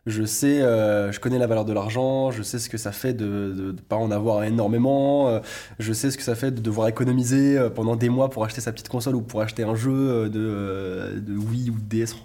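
A man's voice: lowish voice, fairly even intonation, brisk, mellow. A young man, a YouTuber talking through an interview with many fillers and restarts. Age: 20s. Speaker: YouTuber guest. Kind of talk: casual interview chat.

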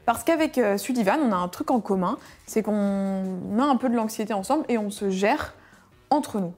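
A woman's voice: medium pitch, lively intonation, normal speed, a little mellow. A woman hosting a casual interview, chiming in with short teasing remarks and drawing her guest out. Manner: brief encouraging interjections, teasing.

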